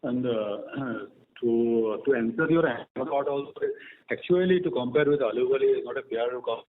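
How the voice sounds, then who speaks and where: Exec guy on a call dropping out, voice breaking up, thin phone sound. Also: medium pitch. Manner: halting, cut-off phrases. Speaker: company executive answering analysts. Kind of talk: earnings call answer. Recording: tinny phone line with faint noise.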